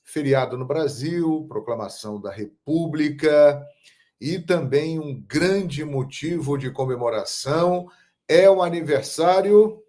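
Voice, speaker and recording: A man from Brazil hosting a football channel, telling stories in a measured, emphatic monologue. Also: on the high side, dark tone. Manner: measured, storytelling, emphatic on key phrases. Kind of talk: casual monologue to camera.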